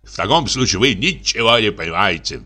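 A boastful army lieutenant of middle years, all bluster and wheedling charm, swooping up into excited highs, as a man reads him out. The voice has a bright, forceful edge. He hawks his beloved dog with theatrical outrage and flattery. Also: fairly quick.

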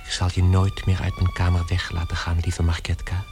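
A man's voice: low voice, monotone, brisk. An actor playing a tender, possessive brother turned insect in a radio play, speaking his yearning inner thoughts intimately. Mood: tender longing.

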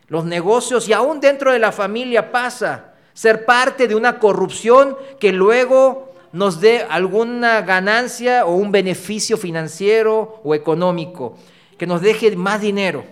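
A man's voice: high voice, a bit bright. A man preaching a sermon, talking straight to the congregation and acting out his own past voice.

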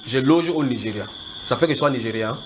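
A man with a Cameroonian accent teaching the Bible in an informal question-and-answer style, brisk and directive, often repeating himself. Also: medium pitch. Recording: clearly noisy amateur recording.

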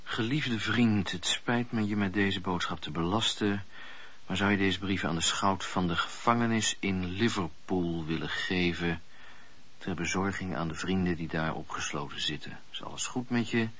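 Devout caring man reading his letter, low and husky, radio play. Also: moderate pace, a bit bright. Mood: reverent, caring. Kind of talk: Dutch radio drama acting. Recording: dull lo-fi radio play recording.

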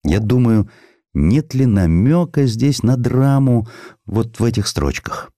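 A man narrating a historical literary essay in an expressive, theatrical scripted reading. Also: mid-range voice, takes it slowly, no room sound, studio quality. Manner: theatrical, declaiming verse and acting out quotes. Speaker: audiobook narrator.

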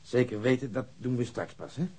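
An actor in a radio drama playing a cool, fastidious detective, clipped, disdainful and matter-of-fact. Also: male voice, medium pitch, animated, mellow, slightly rough. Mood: businesslike. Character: cool, fastidious detective picking locks, Gunvald. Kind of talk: naturalistic radio drama acting.

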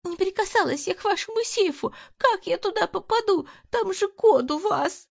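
A woman's voice: very high voice, animated, moderate pace, vocal fry, lo-fi sound, voice pushed up, heavily acted. A woman voicing a terrified housemaid who sobs and wails her pleas. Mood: pleading. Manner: sobbing, wailing pleas. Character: terrified pleading housemaid, shrill.

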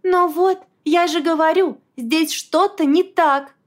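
A woman voicing an alarmed, fiercely loyal young female friend in an audiobook, in a shrill, excited, indignant manner. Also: unhurried. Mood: pleading. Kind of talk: audiobook character voice.

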